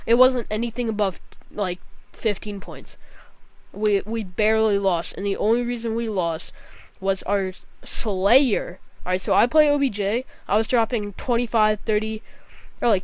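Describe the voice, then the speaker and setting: A woman's voice: medium pitch, clear, resonant tone, no room sound. A young woman with a nasal, congested voice from a cold, giving a casual, rambling gaming vlog. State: sick with a cold, scratchy throat, nasal. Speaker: gaming vlogger.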